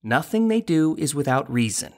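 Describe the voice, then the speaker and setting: A woman's voice: deep voice, sing-song, moderate pace. A woman playing an earnest, slightly prim young male clerk, a dutiful twin brother, in an audio drama. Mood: earnest, weary.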